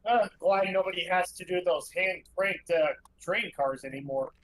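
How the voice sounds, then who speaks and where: A man's voice: sits high, moderate pace, low-quality recording. A man talking casually in a conversation. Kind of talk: casual chat.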